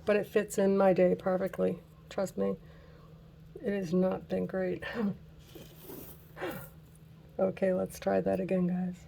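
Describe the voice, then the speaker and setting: Craft vlog lady losing her voice, slow and relaxed, laughs at her own slips. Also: mid-range voice, gravelly, slight background noise. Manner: laughs at her own mishaps, talks while working. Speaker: craft channel host. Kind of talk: casual craft tutorial chat.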